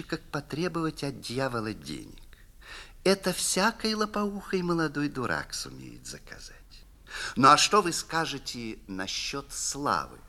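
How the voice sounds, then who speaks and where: A scheming devil in a lawyer's guise, put on by a man reading the tale aloud purrs his offers and slips into conspiratorial whispers. The voice leaps wildly up and down with a bright, forceful edge. Stagey classic storytelling in the manner of a theatrical reading. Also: a little high, pitched above the performer's own voice, heavily acted. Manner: insinuating, dropping to sly whispers. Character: sly scheming male devil posing as a lawyer.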